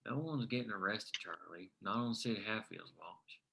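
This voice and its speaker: An actor plays an earnest, folksy small-town man who speaks plainly and reassuringly. His voice is extremely bright and sharp, delivered as a drama table read. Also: fairly low pitch, moderate pace, gravelly. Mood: earnest, determined. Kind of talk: screenplay table read acting.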